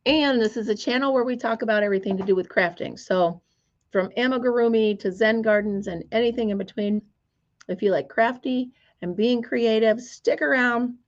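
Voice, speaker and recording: A woman hosting a casual crafting livestream from her store, chatty and greeting viewers by name, her voice still hoarse as it recovers. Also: fairly high pitch, moderate pace, muffled recording.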